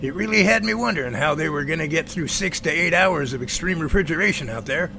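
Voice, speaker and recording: A man's voice: fairly high pitch, lively intonation, vocal fry, noisy background. A man playing an earnest, folksy, inquisitive professor in an amateur audio drama, with colloquial turns of phrase. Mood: curious. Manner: folksy, colloquial, drawn-out remarks.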